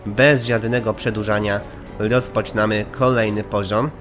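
A man hosting a let's play, chatty and easygoing, his voice stuffy and slightly hoarse from a cold. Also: fairly low pitch, fairly even intonation, normal speed. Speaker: gaming channel host. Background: game music.

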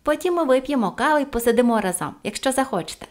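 Female reader playing a cheeky, super-strong little girl in a storybook, high, bright and playful. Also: lively intonation, quick pace. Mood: friendly. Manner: bouncy, exclaiming, playful. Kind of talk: audiobook character voice.

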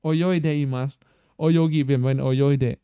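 Smooth mellow male streamer thinking aloud. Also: mid-range voice, fairly even intonation, fast, dry recording. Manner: thinks aloud, stammers and repeats words; talks straight to viewers, asking them questions. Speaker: live streamer and host. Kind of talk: casual live-stream chat while playing.

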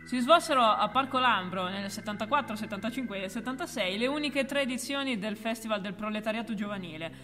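A woman co-hosting a music history video, delivering a scripted explainer with deadpan, ironic asides. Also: medium pitch, fairly quick, hardly any pauses, long reverb tail. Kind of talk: scripted explainer with playful banter.

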